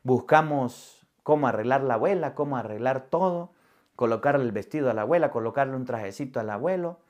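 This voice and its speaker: A man's voice: medium pitch, expressive, brisk, a little mellow. A middle-aged male priest giving a sermon, telling a personal story and acting out the dialogue vividly. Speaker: Catholic priest.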